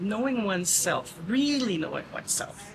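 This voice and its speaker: There is noticeable background noise as a woman talks at a fairly slow pace. Her pitch swings very widely. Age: 70s. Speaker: author and seminar attendee. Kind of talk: testimonial interview. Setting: at a seminar event in Mexico.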